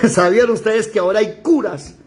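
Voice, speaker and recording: A man with a high, lively voice leads an informal Bible class, peppering his students with rhetorical questions. He slips into quick mock exchanges to make his points. A faint background hum sits under his voice. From Colombia. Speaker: Bible teacher.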